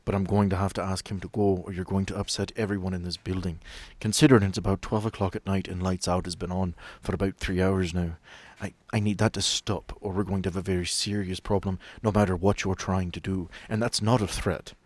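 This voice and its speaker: A man voicing a composed, formal female sanatorium administrator in a tabletop game, polite and measured with slight hesitation. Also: low-pitched, little pitch movement, darkish tone, no room sound. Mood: firm, stern.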